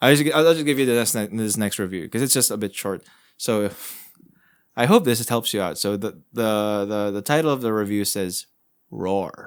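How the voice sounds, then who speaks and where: Captured in a very clean recording over a silent background, a man with a plain, everyday voice talks at a fairly low pitch and moderate pace, his pitch varying in an ordinary way. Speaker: podcast host. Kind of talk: casual chat, reading reviews aloud.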